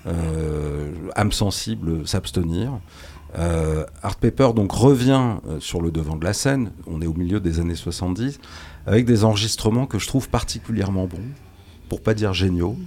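A man with a very low voice presents a jazz radio programme from a studio. He talks haltingly, full of little fillers and restarted phrases. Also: a little mellow. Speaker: radio jazz show host.

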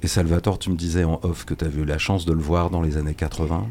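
Deep-voiced hesitant radio host man. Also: fairly even intonation, darkish tone, slight background noise. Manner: halting, many fillers and restarts. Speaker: radio jazz show host. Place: radio studio.

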